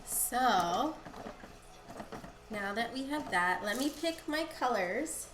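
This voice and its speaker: A woman's voice: a little high, animated, takes it slowly. A woman with a congested, nasal voice from a cold, chatting her way through a casual live-stream dyeing tutorial at home. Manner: chatty, rambling explanations. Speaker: craft streamer. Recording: echoey room, faint background hiss.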